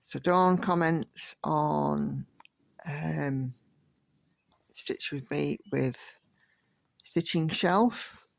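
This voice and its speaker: A woman chatting slowly and gently from home while she stitches, like a vlogger talking along with her work. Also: deep voice, creaky, dry recording. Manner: slow, gentle, relaxed chatter. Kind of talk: casual chat while stitching.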